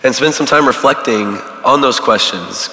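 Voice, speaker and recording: A man teaches a church recovery group in a casual, halting way, full of ums and uhs, his voice going hoarse. His voice rings through a large hall with a long, roomy reverb. He sits at an ordinary middle pitch. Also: pushed and bright. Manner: casual, halting, many fillers. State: losing his voice.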